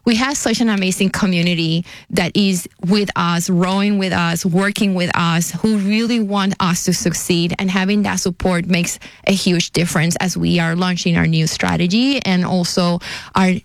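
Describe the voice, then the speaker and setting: A middle-aged woman with a Puerto Rican accent speaks in an earnest, steady way, often repeating a word as she builds her thought. Her voice sits mid-range, close and dry, with no room sound. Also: fairly low pitch, moderate pace, no echo. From Puerto Rico. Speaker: pediatrician and nonprofit CEO, interview guest. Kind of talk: interview answers.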